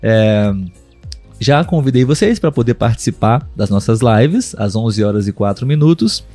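A man from Brazil hosts a live podcast for people learning Portuguese. He speaks slowly and deliberately, often saying the same thing two ways. His voice is mellow and dark, and soft music plays faintly behind him. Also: medium pitch, expressive. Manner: slow, deliberate, repeats and rephrases for learners. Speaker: podcast host.

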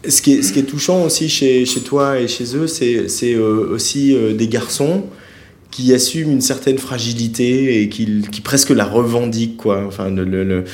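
A man's voice: mid-range voice, normal speed, darkish tone. A man from France interviewing a musician, asking long rambling questions with many fillers. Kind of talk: radio interview.

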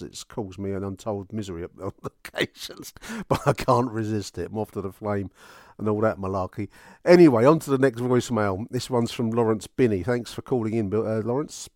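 A man with a fairly low voice hosts a fan podcast in a dry, close recording. He talks wryly to his listeners, rambling through his opinions and circling back over his own phrases. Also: darkish tone, dry recording. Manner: wry, rambling, repeats phrases. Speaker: podcast host. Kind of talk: chatty fan podcast commentary, addressing listeners.

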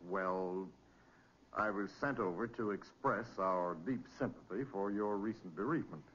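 A man's voice: lowish voice, moderate pace, a bit bright, lightly acted. An actor playing a polite, fussy businessman with formal, insincere courtesy in a 1940s radio crime drama. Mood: unctuous. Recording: dull, noisy old radio recording.

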